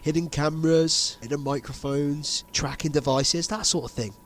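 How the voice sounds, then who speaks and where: A man playing a grave insider revealing a sinister conspiracy in an amateur audio drama, speaking deliberately with dramatic pauses. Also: fairly high pitch, a little hiss or hum, close to an everyday voice. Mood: explanatory, intent.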